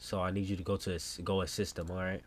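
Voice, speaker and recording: An American man voicing a brisk, insistent emergency dispatcher in a horror game, businesslike and questioning. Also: low voice, little pitch movement. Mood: insistent, stern. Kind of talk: reading game subtitles as dialogue.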